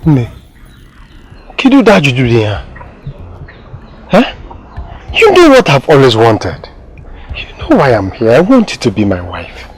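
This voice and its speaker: A proud, possessive Nigerian suitor. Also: male voice, medium pitch, wildly swooping pitch, measured pace, pauses often, slight background noise. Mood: pleading. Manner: insistent, boastful. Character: proud, possessive young man courting a maiden. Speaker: jilted suitor. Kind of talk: film acting.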